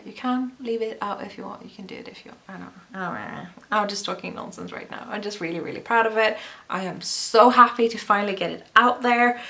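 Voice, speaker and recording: A woman's voice: medium pitch, fairly bright tone. A young woman hosting a knitting video podcast, chatting in a rambling, self-deprecating way. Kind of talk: casual vlog chat.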